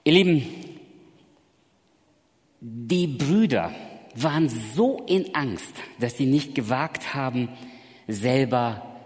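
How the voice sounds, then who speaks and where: A middle-aged man preaching a sermon in a church, with emphatic delivery that swings from soft to loud. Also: medium pitch, lively intonation, slow, long pauses. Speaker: pastor. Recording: long reverb of a hall.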